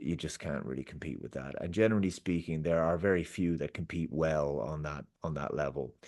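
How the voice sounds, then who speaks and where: A man with an Irish accent and a very deep, low pitch talks at a moderate pace against a quiet background. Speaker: YouTuber, film critic and novelist. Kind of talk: podcast interview guest.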